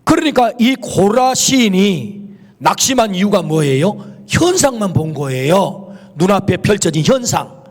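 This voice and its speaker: High-voiced preaching man in a reverberant church. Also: big pitch swings, unhurried. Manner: emphatic preaching with rhetorical questions and blessings. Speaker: pastor. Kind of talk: sermon. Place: church sanctuary. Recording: long reverb of a church hall.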